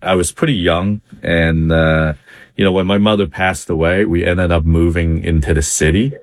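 A man's voice: sits low, steady tone, normal speed, no room sound, studio quality. A man from Vietnam telling his life story in a casual interview, talking in a loose, conversational way with many fillers. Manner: conversational, many fillers, chuckles now and then. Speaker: interview guest, business owner.

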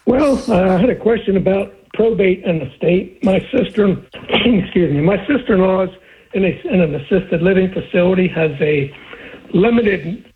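A man with a raspy voice calling in to a radio show with a question, talking haltingly and restarting his sentences. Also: sits high, slight background noise. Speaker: caller. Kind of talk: phone-in question on a call-in show. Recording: phone line.

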